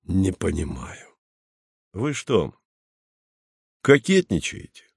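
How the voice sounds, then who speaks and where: A man's voice: low voice, very animated, slow, vocal fry, breathy edge, no echo, full character voice. A man reading the part of a patient, matter-of-fact base commander with a dry irony, in an audiobook.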